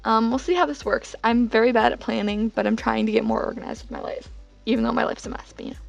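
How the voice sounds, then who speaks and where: A young woman talks casually over a faint music bed, her voice gravelly and hoarse as she gets over a cold. She rambles, leans on fillers like "like" and "um", and pokes fun at herself. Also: on the high side, steady tone, quick pace, muffled recording. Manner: rambling, filler-heavy and self-deprecating. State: hoarse, getting over being sick. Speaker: bullet journal vlogger.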